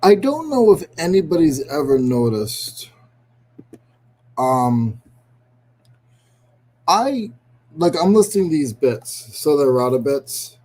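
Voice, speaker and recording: A man's voice: on the high side, big pitch swings, takes it slowly, pauses often, dark tone. A man with a New England accent hosting a casual live stream, greeting viewers by name and joking about himself. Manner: chatty, greets viewers by name, self-deprecating jokes. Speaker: livestream host. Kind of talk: casual livestream chat.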